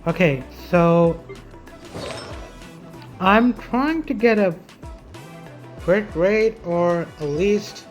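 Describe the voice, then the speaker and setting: A gaming YouTuber giving casual, halting gameplay commentary, often muttering to themselves. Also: mid-range voice, expressive. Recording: faint game music behind.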